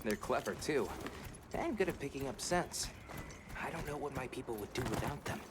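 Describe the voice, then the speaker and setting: A man playing a helpful, confident young village guide in a video game, with loud music over his voice. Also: mid-range voice, expressive, normal speed, very noisy, lightly acted. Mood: proud, calm.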